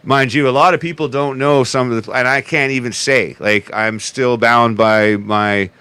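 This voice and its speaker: A man's voice: medium pitch, steady tone, normal speed, pushed and bright, clean tone, dry recording. A man in his forties, a podcast guest in casual chat, rambling with restarts and profanity. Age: 40s.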